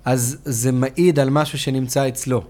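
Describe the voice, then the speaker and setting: A young man co-hosting a religious discussion podcast as the son, speaking in a measured, thoughtful way with hesitant fillers. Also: medium pitch, steady tone, mellow.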